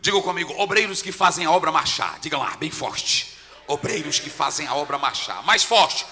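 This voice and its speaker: A Brazilian Portuguese-speaking male pastor preaching a sermon, telling stories with dramatic swings from hushed tones to shouts. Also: fairly high pitch, lively intonation, a little fast, long reverb tail. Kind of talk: sermon with storytelling. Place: church.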